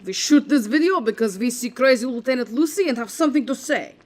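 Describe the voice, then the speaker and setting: A bossy immigrant mom with a high voice. She speaks in blunt, foreign-sounding phrases without contractions, proud of herself, in a comedy audio drama. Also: lively intonation, fast talker, a little mellow. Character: bossy, self-satisfied immigrant mother and cook.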